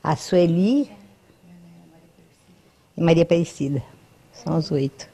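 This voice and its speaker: A woman's voice: deep voice, unhurried, warm tone, breathy edge. An 88-year-old Brazilian woman reminiscing casually in an interview at home, homely and colloquial, often adding tag questions, on a handheld microphone. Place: at home, by a house wall.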